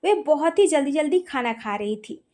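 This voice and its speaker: A woman narrating a romantic story in an expressive, melodic storytelling manner. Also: high-pitched, normal speed.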